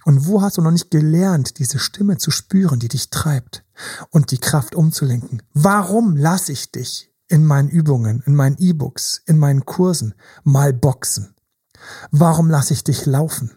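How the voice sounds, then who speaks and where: A man's voice: on the high side, measured pace, warm tone, breathy edge. A man talking as a relationship coach in casual podcast conversation, emphatic and repetitive, building vivid images.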